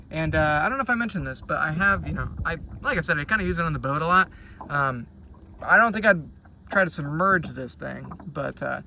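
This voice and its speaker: A man's voice: a little high, creaky, bright, forceful tone, a little hiss or hum. A man giving a casual, unscripted product review outdoors, rambling along in a laid-back, hesitant way. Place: outdoors on a boat on a lake.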